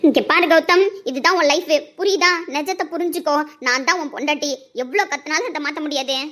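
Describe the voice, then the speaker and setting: A woman's voice: high-pitched, fast, fairly bright tone, a little hiss or hum. A woman playing a stubborn young wife in an amateur audio drama, with defiant, taunting retorts.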